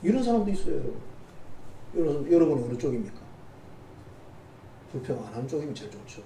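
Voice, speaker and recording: A middle-aged male pastor preaches with a high voice that jumps up and down all the time, chatting and teasing his congregation. His tone is mellow rather than bright. The sound is roomy, picked up from a distance across the church. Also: big pitch swings, fast, creaky, slight background noise. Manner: conversational, teasing asides to the congregation. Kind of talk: sermon. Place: church sanctuary.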